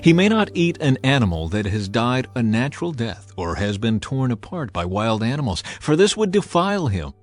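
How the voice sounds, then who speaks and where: A man narrating scripture as a dramatized audio reading, solemn, measured and authoritative in his delivery. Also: mid-range voice, big pitch swings, faint music behind. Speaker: Bible narrator.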